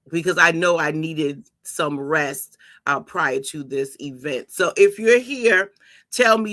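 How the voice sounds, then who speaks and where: A raspy, tired-sounding woman in middle age hosts a casual livestream, talking in a chatty, rambling way full of quick asides. Her voice has a bright, forceful edge despite its slightly deep rasp. The sound is dry and close, with almost no room around it. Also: dry recording. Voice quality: raspy and a little deep today. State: tired from an early start. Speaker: pastor and channel host.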